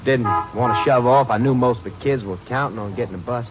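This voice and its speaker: A man's voice: medium pitch, quick pace, natural voice. A man playing an easygoing Texas bus driver, casual and clipped, in an American 1950s radio drama. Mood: matter-of-fact. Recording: dull vintage radio recording with music.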